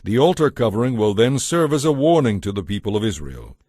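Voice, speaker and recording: A man narrating scripture from a script as a storyteller, in a measured, solemn way. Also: on the low side, sing-song, a little mellow, no echo, studio quality.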